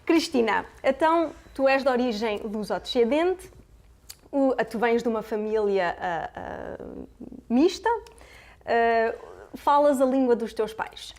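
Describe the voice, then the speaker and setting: A woman's voice: on the high side, a little slow, a little mellow. A woman hosting an interview, encouraging her guest and finishing her sentences. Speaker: interviewer, show host. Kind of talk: casual interview.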